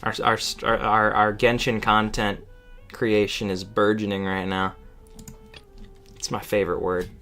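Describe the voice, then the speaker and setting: Casting: woman game streamer, unusually deep voice, slangy joking chat with swearing, faint music behind. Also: flat delivery, measured pace, a bit bright. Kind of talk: casual livestream chat over gameplay.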